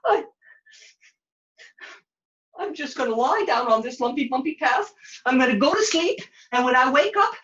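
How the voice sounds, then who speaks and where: A woman's voice: high voice, fairly bright tone, dull audio, pitched above the performer's own voice. A woman voicing a dramatic, whiny, naive young servant girl in a puppet show, flustered and repeating herself. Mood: frustrated. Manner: melodramatic, repetitive, flustered.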